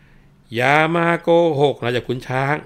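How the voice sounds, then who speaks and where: A man voicing a gruff police officer who shouts rough threats. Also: fairly low pitch, steady tone, normal speed, lightly acted. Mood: bellowing.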